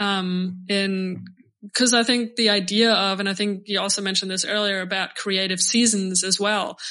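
A woman with a German accent speaks at a moderate pace and medium pitch. Her tone is bright and sharp, her intonation monotone and flat. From Bavaria, southern Germany. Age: 30s. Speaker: breathwork teacher. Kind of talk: casual chat.

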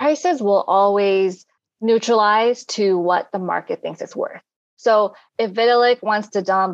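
A woman's normal speaking voice, medium in pitch with ordinary pitch variation, at a fairly slow pace, the sound dry and close with no echo. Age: 30s. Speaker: crypto trader and consultant. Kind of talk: interview.

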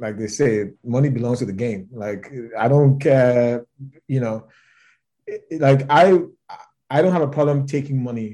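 With a Nigerian accent and a dark, mellow tone, a man speaks fairly slowly at a medium pitch, with ordinary pitch variation and long, frequent pauses. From Lagos, Nigeria. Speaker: chef and writer. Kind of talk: interview conversation. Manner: casual, laughs often.

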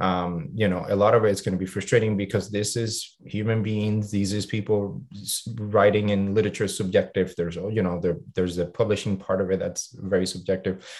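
With a Spanish accent, a man speaks at a fairly quick pace in a fairly low pitch, monotone and flat, with hardly any pauses. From Cuba. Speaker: author and educator. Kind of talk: online talk and Q&A.

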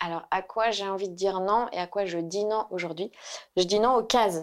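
At a fairly slow pace, a woman talks with a medium pitch and ordinary pitch variation in a very clean recording with a silent background. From Paris region, France. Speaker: entrepreneur and solo traveler. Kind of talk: casual interview. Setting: at her home.

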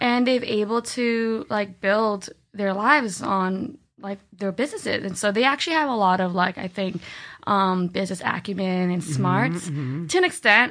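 A plain, everyday voice from a woman, medium in pitch, with lively intonation at a moderate pace. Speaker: podcast guest, coffee company founder. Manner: casual, frequent filler "like".

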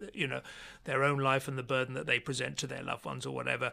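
This man has a fairly high pitch and a bright, sharp tone. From England. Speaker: comedian. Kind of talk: interview conversation. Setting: video call.

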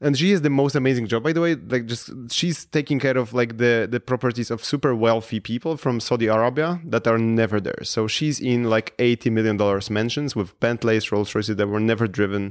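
In a very clean recording with a silent background, a man with a Polish accent speaks at a fairly quick pace with hardly any pauses, a medium pitch and ordinary pitch variation. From Poland. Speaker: SEO expert and agency founder. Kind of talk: casual interview conversation. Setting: conference hotel in Austria.

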